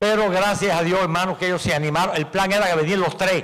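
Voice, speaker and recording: Fairly even intonation in a man's high-pitched voice. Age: 80s+. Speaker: retired pastor, evangelist. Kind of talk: sermon.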